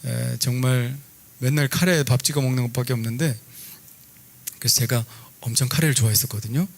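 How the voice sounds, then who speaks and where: Middle-aged man, pastor, sermon, chatty storytelling, medium pitch. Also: fairly quick, gravelly. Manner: conversational, storytelling, animated asides.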